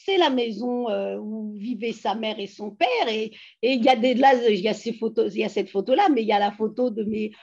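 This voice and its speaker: A woman in her fifties from France, a feminist activist, animatedly tells her life story in a casual video-call interview from her living room. Her fairly high voice runs a little fast, full of fillers and emphasis, and the laptop webcam mic gives dull, lo-fi call audio.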